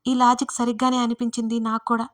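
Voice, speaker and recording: A woman author narrating her own first-person audio story in a steady, scripted storytelling delivery. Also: fairly high pitch, quick pace.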